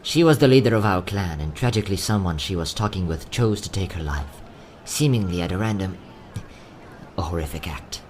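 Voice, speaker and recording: A man performs a young travelling merchant in a fantasy audio drama, courteous and a little sad. His polite sales patter swings widely in pitch. Some ambient noise sits behind the voice. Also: animated, fairly quick. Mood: grieving. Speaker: voice actor.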